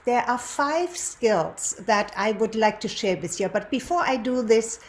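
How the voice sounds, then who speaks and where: A woman in her seventies from Germany, a native German speaker with a German accent, hosts a show, introducing herself and telling her story in a deliberate manner with rhetorical questions. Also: fairly high pitch, expressive. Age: 70s. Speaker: show host, lifestyle and relationship coach. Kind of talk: presenter's introduction and personal storytelling to viewers.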